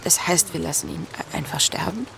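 A woman playing a distressed but defiant and compassionate thirties character in a naturalistic radio drama, speaking haltingly. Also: low voice, animated, gravelly, noisy background, full character voice. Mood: incredulous, agitated. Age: 30s.

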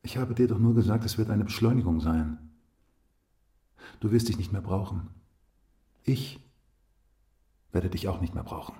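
An actor playing a calm, stern and rational male companion in a literary radio drama, measured and admonishing. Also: fairly low pitch, lightly acted. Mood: cool, insistent.

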